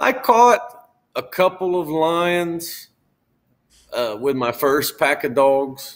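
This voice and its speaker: Very slowly, a man with an American accent speaks in a high pitch, leaving long, frequent pauses. His pitch swings very widely. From South Texas. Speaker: bobcat hunter and houndsman; guest. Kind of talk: casual chat. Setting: video call live stream. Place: home room.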